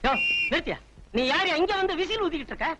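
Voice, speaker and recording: An actor playing a sarcastic head constable at a police station, mocking and lecturing. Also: male voice, very high voice, very animated, fast talker, very noisy. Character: sarcastic middle-aged male head constable.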